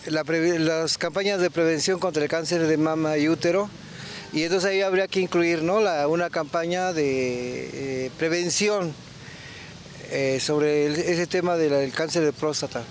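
A man's voice: fairly high pitch, fairly even intonation, moderate pace, a little hiss or hum. A man in his sixties with a Mexican Spanish accent, answering a street interview outdoors into a handheld mic, thoughtful and hesitant with many fillers. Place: outdoor town square. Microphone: handheld reporter mic.

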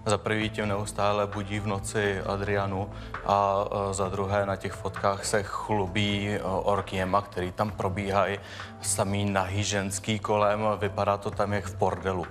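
A man's voice: fairly low pitch, completely flat delivery, fairly bright tone, big-room sound, faint music behind, natural voice. An actor playing a brash, crude male hairdresser testifying as a witness in a TV courtroom show. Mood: cocky. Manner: crude, cocky, laughs at his own remarks.

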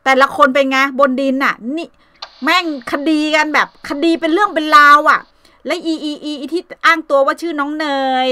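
Brief: heated Thai woman ranting and cursing on a call, high bright voice, dry sound. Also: steady tone, normal speed, no room sound. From Thailand. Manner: angry, cursing, repeats herself. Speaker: vlogger. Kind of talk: heated casual call rant. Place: home in Sweden.

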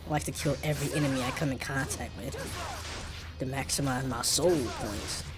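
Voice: mid-range voice, normal speed, over loud music. A gaming streamer with an African American English accent, giving casual gameplay commentary.

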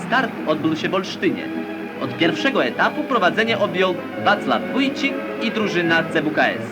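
A man's voice: high voice, big pitch swings, normal speed, poor audio. A man giving declamatory, scripted sports narration as an old 1950s newsreel voice-over. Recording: voice-over over loud music.

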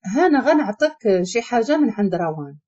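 A woman's voice: on the high side, big pitch swings, a little fast, darkish tone. A woman voicing a possessive, stubborn young husband, with a Moroccan accent and a curt, commanding way of speaking. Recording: dull lo-fi recording.

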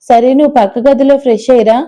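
A woman's voice: fairly high pitch, fairly even intonation, fast talker, muffled recording, natural voice. A woman doing a caring middle-aged mother. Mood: gentle. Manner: soothing, gently chiding.

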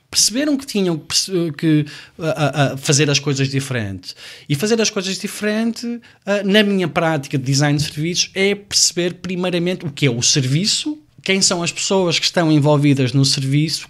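A man with a European Portuguese accent, a service designer explaining his work in a relaxed interview with frequent restarts. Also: high-pitched. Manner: reflective, explains step by step with many restarts. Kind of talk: conversational interview.

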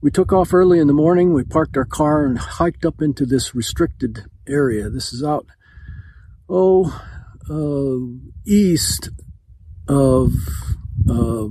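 An older man with a dark, husky voice tells a rambling, unhurried travel story for his vlog. He pauses often and fills gaps with "uh". At times he is out of breath on a hillside, and the recording is dry and close. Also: medium pitch, no room sound. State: out of breath while hiking uphill. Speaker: travel vlogger. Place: outdoors on a desert hillside.

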